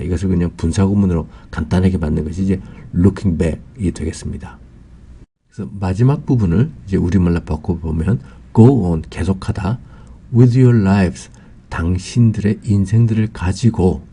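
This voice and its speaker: A man teaching English grammar in a recorded lesson, explaining slowly and carefully, drawing out English example phrases with a Korean accent, and pausing on "ah" fillers. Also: low-pitched, gravelly, mellow, breathy edge.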